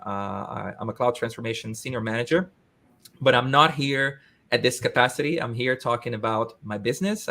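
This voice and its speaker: A man, hosting a casual interview in English, talking in an animated way with frequent restarts. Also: mid-range voice. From Brazil. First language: Portuguese. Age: 30s. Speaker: host.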